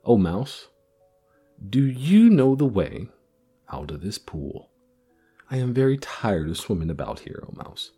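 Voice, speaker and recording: A man's voice: lowish voice, very animated, measured pace, pauses often, mellow, slightly rough, faint music behind, pitched above the performer's own voice, heavily acted. A man voicing a curious, polite young girl who chatters earnestly.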